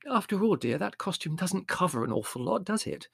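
A man voicing a mild, fussy middle-aged mother who talks gently. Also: medium pitch, very animated, normal speed, gravelly, breathy edge, dry recording, studio quality, heavily acted. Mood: placid. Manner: gentle, placid, mildly indignant.

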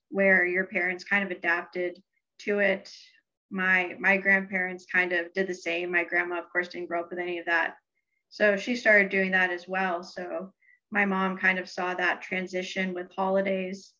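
A young woman, a student guest on a podcast, speaking thoughtfully and steadily with the odd "um". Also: mid-range voice. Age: young adult. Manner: thoughtful, steady, some ums. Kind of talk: casual interview chat. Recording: dull lo-fi sound.

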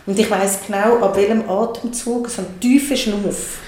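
A woman with a Swiss German accent talks calmly about babies and their needs. Her voice is mellow and warm, and she sounds patient and explanatory. The room around her has a noticeable echo. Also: medium pitch, moderate pace. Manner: calm, explanatory, acts out soothing words to a baby. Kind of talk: casual conversation.

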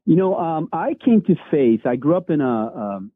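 A man's voice: on the high side, big pitch swings, moderate pace, slightly rough, no echo. A Korean-born man, a senior pastor, telling his story earnestly as a guest, with many fillers and restarts, heard over a remote call. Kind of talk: casual storytelling interview. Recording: dry, tinny phone-like line.

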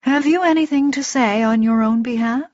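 A woman voicing a small male dark-elf warrior in an audiobook, calm, formal, measured and pitiless. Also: high voice, no room sound, lo-fi sound, pitched above the performer's own voice, lightly acted. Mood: calm, stern. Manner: formal, measured, quiet, emotionless.

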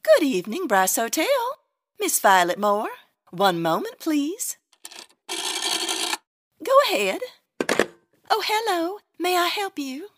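A woman's voice: sits high, very animated, slow, pauses often, background noise, exaggerated voice. A woman playing a gossipy, sugary hotel operator with a drawling Southern US accent in an old-time radio comedy. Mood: polite, surprised. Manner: drawling, coy, theatrical.

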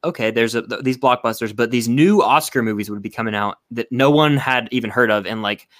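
A man's voice: medium pitch, brisk, a bit bright, no echo, clean studio sound. A young man co-hosting a podcast in casual chat, rambling and hedging with frequent "like". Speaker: podcast co-host.

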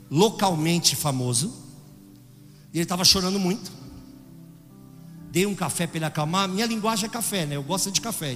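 Man, Brazilian Portuguese accent, dramatic sermon, loud then hushed, long hall reverb. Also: fairly high pitch. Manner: dramatic swings from loud exclamations to hushed storytelling. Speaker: preacher.

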